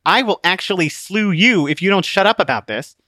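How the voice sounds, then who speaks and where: Man acting sardonic female hologram book, scoffing, deadpan, storybook know-it-all, higher pitch, very dry recording. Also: brisk, no room sound, full character voice. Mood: scolding.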